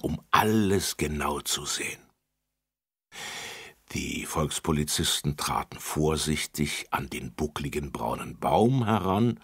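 A man narrating a children's audiobook in a lively storytelling manner. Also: very deep voice, slightly rough, no echo, studio quality.

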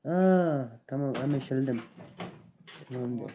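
A man from Afghanistan with an Afghan accent, chatting casually in broken, halting, foreign-learner phrases with simple grammar. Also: medium pitch, expressive, mellow, dull audio, a little hiss or hum. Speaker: guest caller on a live stream. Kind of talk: casual chat.

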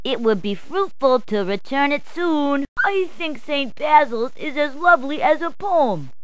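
A woman's voice: sits high, lively intonation, measured pace, no echo. A woman voicing a cheery adult policewoman in a game, speaking in upbeat, chatty puns. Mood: cheerful. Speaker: voice actor. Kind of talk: game voice clips.

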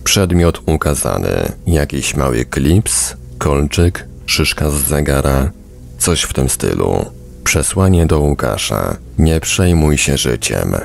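A man's voice: extremely low pitch, sing-song, slow pace, creaky. A man reading a book aloud as scripted narration. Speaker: audiobook reader on a radio podcast.

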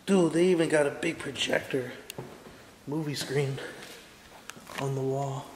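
A man's voice: mid-range voice, steady tone, measured pace. A young man narrates his walk through a large empty house for his camera, awed and on edge, calling out into the rooms and dropping to a whisper. His tone stays fairly level. The bare rooms ring with echo, and a faint hiss sits under the camera mic. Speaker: urban explorer. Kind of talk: exploration vlog narration. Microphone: handheld camera mic.

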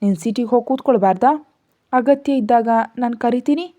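A woman's voice: on the high side, fairly quick, dark tone, lightly acted. A woman voicing a stern young male boss who speaks in clipped, commanding lines.

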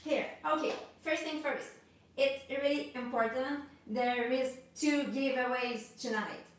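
A woman's voice: high-pitched, fairly even intonation, measured pace. A woman in her thirties with a French accent, hosting a live art masterclass and greeting viewers, hesitant with many ums and restarts. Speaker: art instructor hosting a livestream. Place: home studio room with art supplies on a table. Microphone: camera a few feet away. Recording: echoey room, voice from a distance.

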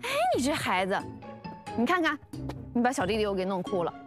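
A woman voicing a patient mother in a children's cartoon. She soothes and coaxes, with many soft fillers. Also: medium pitch, very animated, fairly quick, close to an everyday voice. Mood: coaxing. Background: cartoon background music.

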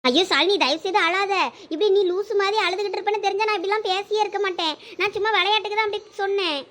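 A chatty, fretful young village wife, played by a woman in a family comedy skit. Her voice sits very high and the words tumble out fast and animated. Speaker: skit actor playing a young wife and her sister-in-law.

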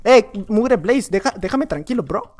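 A young man giving excitable gameplay commentary at home, chatting nonstop, repeating words and breaking into shouts. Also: high-pitched, measured pace. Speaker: gaming YouTuber. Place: at home at night.

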